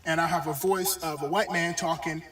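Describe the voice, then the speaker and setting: A man's voice: a little high, fairly even intonation, a bit bright. Brief: male bible teacher, hesitant delivery with frequent fillers, roomy echoey distant sound. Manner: halting, many pauses and fillers. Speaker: religious teacher. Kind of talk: bible lesson video. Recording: echoey, distant video playback.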